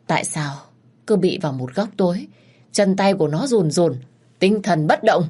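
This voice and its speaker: A woman's voice: lowish voice, animated, normal speed, dark tone, slightly rough. A woman voicing a bitter, grieving old servant woman who accuses her mistress's son. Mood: accusing. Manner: accusing, resentful.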